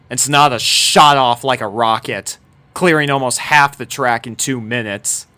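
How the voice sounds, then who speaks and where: A man's voice: mid-range voice, pushed and bright. A man reading a scripted fan-fiction story aloud as narrator.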